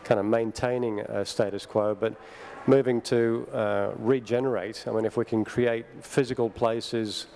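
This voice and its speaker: A man speaking on a conference panel in a measured, hesitant way with frequent ums, into a desk microphone. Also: medium pitch, fairly even intonation, gravelly, dark tone, a little hiss or hum. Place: large conference hall stage. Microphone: desk microphone on a stand.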